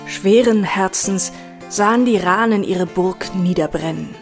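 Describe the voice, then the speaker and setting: Eine Frau spricht als Erzählerin einen vorbereiteten dokumentarischen Text. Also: female voice, medium pitch, a little slow, soft background music. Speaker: narrator. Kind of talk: scripted documentary narration.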